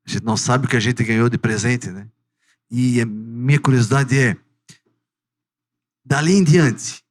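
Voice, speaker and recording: A man hosting an interview podcast, talking in a heartfelt, reflective way. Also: mid-range voice. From southern Brazil. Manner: heartfelt, reflective, often adds "né". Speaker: podcast host. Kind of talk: emotional interview chat.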